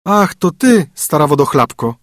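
A man doing a high whiny young princess. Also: very animated, moderate pace, no room sound, studio quality. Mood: pleading.

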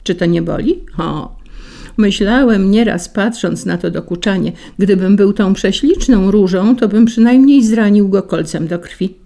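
A woman's voice: medium pitch, measured pace, vocal fry, warm tone. A woman voicing a spiteful, boastful male wind in a storybook tale, sly and taunting. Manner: sly and taunting, rising to bluster.

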